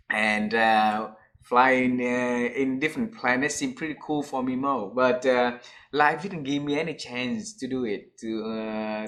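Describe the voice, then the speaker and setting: A man's voice: mid-range voice, fairly bright tone. A man hosting an interview, asking questions in hesitant, non-native phrasing. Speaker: interview host.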